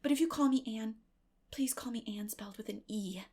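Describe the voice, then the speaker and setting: A woman voicing an eleven-year-old orphan girl, dramatic and imaginative, with a breathy, effusive, emotional delivery in a storybook reading. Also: fairly high pitch, fairly quick, mellow. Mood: eager pleading.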